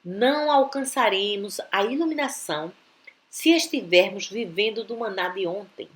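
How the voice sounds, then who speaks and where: A woman giving a calm, deliberate reading of a spiritual text, with long pauses between phrases. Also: mid-range voice, a little hiss or hum. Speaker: reader of spiritual teachings.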